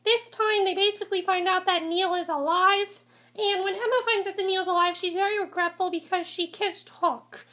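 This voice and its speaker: A woman's voice: very high voice, fairly even intonation, normal speed, pushed and bright. A woman casually reviewing a TV episode, congested from a cold, rambling with many ums and restarts.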